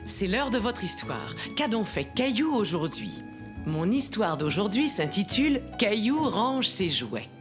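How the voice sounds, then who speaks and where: A woman storyteller narrating a French children's cartoon, expressive and speaking as if to young listeners. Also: mid-range voice, unhurried, music in the background.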